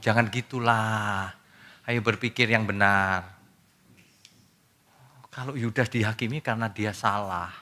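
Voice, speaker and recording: A man preaching a sermon as a pastor, talking casually and addressing the congregation directly, with loud emphatic bursts that drop to quiet asides. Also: on the low side, fairly even intonation, measured pace, long pauses.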